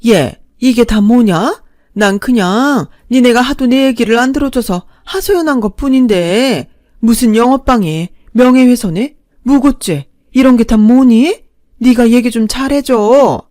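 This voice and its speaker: Casual: woman putting on a pushy older stepmom-in-law, higher and louder than normal, scolding and whining, dry close sound. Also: a little slow, no room sound, lightly acted. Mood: pleading. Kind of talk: storytelling with acted dialogue.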